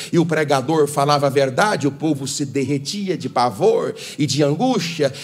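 In an animated, theatrical tone, a man with a fairly high pitch speaks at a moderate pace with ordinary pitch variation against a quiet background. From Brazil. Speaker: Pentecostal preacher and teacher. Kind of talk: sermon preached to a congregation with call-and-response. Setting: church or stage with live congregation. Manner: animated, exhorting, repeatedly prompting the crowd to echo and shout; emphatic, theatrical, shifting between teaching and mimicry. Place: church.

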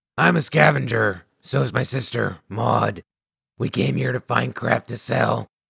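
Putting on a character voice, a man speaks raspily at a fairly slow pace. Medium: solo performance. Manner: bitter, sardonic, weary.

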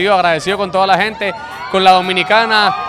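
The pace is very fast. The sound is dry with no echo, and faint music plays in the background. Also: man. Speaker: guest. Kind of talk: interview answer. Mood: upbeat, grateful. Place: beach. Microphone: handheld.

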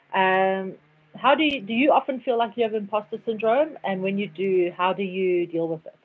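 This woman talks at a moderate pace with ordinary pitch variation. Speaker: karate instructor and podcast host. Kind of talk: casual interview chat. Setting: live stream video call. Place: home room. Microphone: earbuds.

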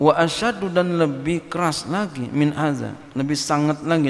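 A man talks with ordinary pitch variation, keeping a fairly slow pace. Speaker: religious teacher. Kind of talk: religious lecture reading classical Arabic text with translation. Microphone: studio mic.

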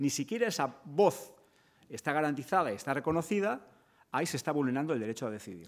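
A man's fairly high-pitched voice against a quiet background. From Basque Country. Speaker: activist movement board member; panelist. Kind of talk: panel discussion. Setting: stage with live audience. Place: hall. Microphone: podium.

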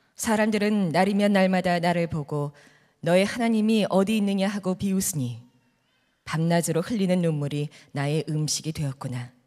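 In a very clean recording with a silent background, a woman with an unremarkable speaking voice talks at a moderate pace, her fairly low pitch varying in an ordinary way. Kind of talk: scripture reading. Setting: church.

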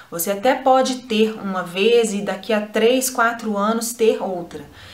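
A woman speaks with audible room echo. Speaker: skin care vlogger. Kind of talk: tutorial. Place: home room.

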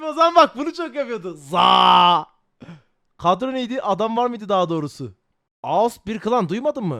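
An animated man's voice, high-pitched with a bright, sharp tone, at a fairly slow pace. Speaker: streamer reacting to old forum posts. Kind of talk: casual streaming chat, reading old posts aloud. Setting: live stream. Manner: animated, jokey, laughing.

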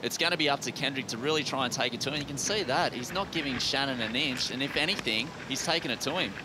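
Over noticeable background noise, a man with a fairly high pitch speaks very fast in an animated tone, with ordinary pitch variation and hardly any pauses. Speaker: sports commentator. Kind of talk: live sports commentary. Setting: outdoors at beach event, broadcast. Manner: animated, fluent play-by-play.

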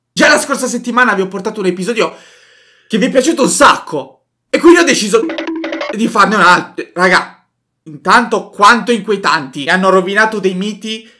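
A man in a raised, projected voice speaks at a fairly quick pace with lively intonation as music plays in the background. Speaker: youtuber. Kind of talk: casual vlog chat. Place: home room.

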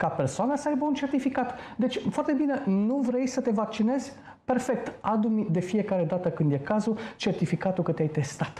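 Room echo can be heard. The delivery keeps a moderate pace. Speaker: studio commentator. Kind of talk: news talk discussion. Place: studio. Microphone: lapel.

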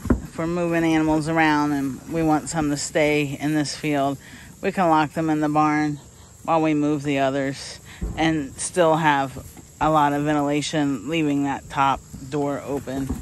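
The speech moves at a moderate pace. Light background noise is present, and the sound is dry with no echo. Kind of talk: casual tour narration. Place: farm machine. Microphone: phone near.

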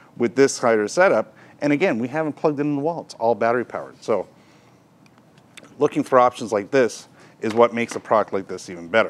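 A man at a very fast pace, with big swings in loudness. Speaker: product reviewer. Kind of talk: product review tutorial. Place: shop.

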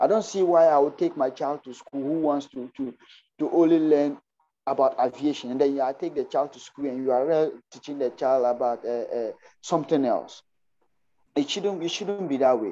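At a moderate pace, a man talks with a fairly high pitch, ordinary pitch variation and a dark, mellow tone. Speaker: panelist. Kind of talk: panel debate. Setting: video call. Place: home room. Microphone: video call.

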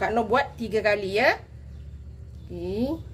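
Her fairly high voice carries vocal fry as the woman speaks. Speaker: cooking video creator. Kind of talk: cooking tutorial. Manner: casual, chatty.

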